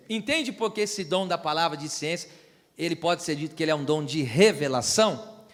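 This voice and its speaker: A man's voice: high voice, a bit bright, big-room sound. A man preaching a sermon as pastor, teaching and asking the congregation to repeat after him. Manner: teaching, asks the church to repeat phrases and check understanding. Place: church hall.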